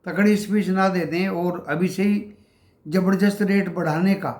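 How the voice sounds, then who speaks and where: High-voiced man in an echoey room. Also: fairly even intonation, a little mellow. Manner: addresses viewers as friends, explains levels with many pauses. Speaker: stock market channel host. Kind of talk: casual market commentary.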